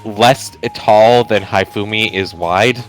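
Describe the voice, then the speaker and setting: A man's voice: on the low side, slow pace, rough recording. A man doing casual commentary on a group game stream, mixing script reading with wry, dry asides. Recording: game music behind the voice.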